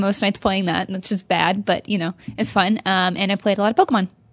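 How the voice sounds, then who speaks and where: A woman with an American accent talks very fast at medium pitch in monotone, flat intonation, the sound dry and close with no echo over a quiet background. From Texas. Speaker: games journalist. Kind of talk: casual chat.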